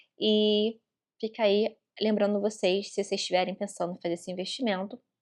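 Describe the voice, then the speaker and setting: A woman's medium-pitched voice, fairly quick, with monotone, flat intonation. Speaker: book YouTuber. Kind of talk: casual vlog with shopping tips. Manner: fast; chatty, with filler words.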